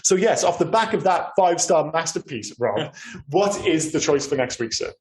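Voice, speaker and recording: A man's voice: a little high, animated, moderate pace, a little mellow, rough recording. Swearing Cardiff man on a film podcast. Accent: Cardiff Welsh. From Wales. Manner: chatty, swears freely, stammers on repeated words. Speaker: podcast co-host. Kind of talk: casual film podcast chat. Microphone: remote call.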